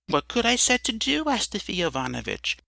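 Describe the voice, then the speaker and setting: A man's voice: high voice, huge pitch swings, a little fast, creaky, bright, forceful tone, no room sound, pitched above the performer's own voice, heavily acted. A man voicing a meek, poor drunken man who speaks timidly and plaintively. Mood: pleading.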